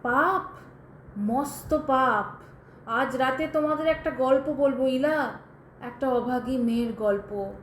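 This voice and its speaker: A woman's voice: high voice, takes it slowly, long pauses. An actress playing a bitter, sardonic widow who tells her tragic story in a pointed, dramatic way in an audio drama. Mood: wistful irony. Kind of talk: Bengali audio drama acting. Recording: roomy echo, faint background noise.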